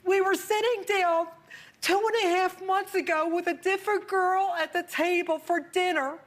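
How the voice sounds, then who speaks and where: A woman's voice: very high-pitched, fairly even intonation, moderate pace. A middle-aged woman, a mother on a talk show, insistent and tearful, talking over others. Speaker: guest, mother. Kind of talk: emotional talk show confrontation. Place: TV studio.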